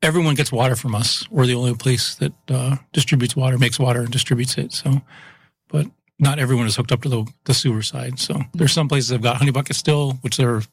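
A man who runs a town's water and sewer crews, talking through how the system works in a relaxed interview. He speaks plainly, often trailing off with "so" and "yep". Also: mid-range voice, fast, slightly rough. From Massachusetts, US. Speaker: utilities chief of operations. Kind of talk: casual interview.

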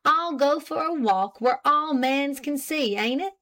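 Woman playing an excitable man. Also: sits high, unhurried, pitched above the performer's own voice. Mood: indignant. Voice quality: broken dialect English, protesting and wheedling. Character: excitable French-Canadian man, sly and indignant witness.

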